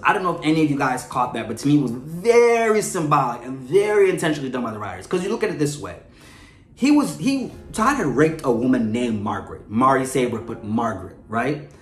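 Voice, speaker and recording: A man's voice: medium pitch, fairly bright tone. A man hosting a podcast with casual, analytical commentary, conversational and often checking in with the listener. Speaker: podcast host. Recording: echoey room with faint music.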